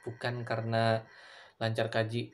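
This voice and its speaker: Indonesian man teaching, relaxed and chatty. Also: medium pitch, unhurried. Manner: switches between English and Indonesian, many fillers. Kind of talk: casual recorded lesson answering student questions.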